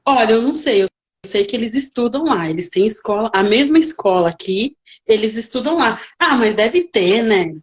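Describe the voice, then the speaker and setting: A woman working as a nanny, telling stories in a casual interview with lively, emotional reenactments. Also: on the high side, moderate pace.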